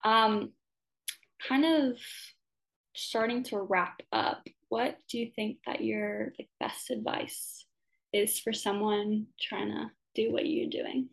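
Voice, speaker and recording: A woman hosting a podcast, with a voice of middle pitch. Her voice carries a gravelly fry, and she asks easygoing questions padded with "um" and "like". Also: slow, poor audio. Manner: relaxed questioning with fillers. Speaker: podcast host. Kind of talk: casual interview.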